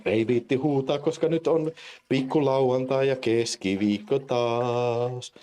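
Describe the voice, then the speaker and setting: A man hosting a live stream, chatting casually with viewers and swearing at his own slips, then calling a game's events in quick excited play-by-play. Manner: swearing, self-mocking, jumps to excited high-pitched play-by-play. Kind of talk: casual live-stream chat and game commentary.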